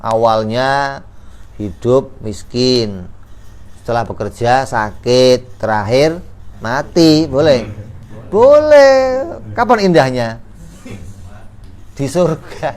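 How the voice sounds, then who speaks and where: A man's voice: mid-range voice, takes it slowly, long pauses. A man teaching a casual religious study class, joking and acting out little dialogues. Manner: lively, joking, slangy, acts out dialogues. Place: study gathering room.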